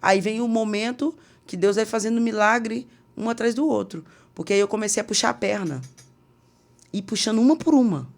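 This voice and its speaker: Woman telling a lively testimony. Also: a little high, moderate pace. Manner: animated, acts out quoted dialogue. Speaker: guest singer. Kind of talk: podcast testimony, casual storytelling.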